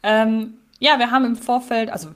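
A woman co-hosting a casual podcast, thinking out loud. She hesitates often, restarting phrases and filling pauses as she weighs her views. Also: fairly high pitch, little pitch movement. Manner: thoughtful, hesitant with many fillers. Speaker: podcast co-host.

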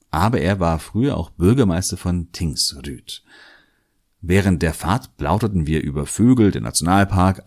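A man's voice: sits low, a little mellow. A German-speaking man hosting a solo podcast, talking in a thoughtful, musing way and often repeating words as he weighs his thoughts. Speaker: podcast host. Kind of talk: reflective solo podcast monologue.

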